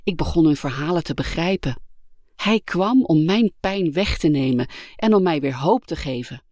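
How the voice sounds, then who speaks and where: A woman calmly and earnestly narrating a first-person life story from a script. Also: sits low, normal speed, no echo, clean studio sound.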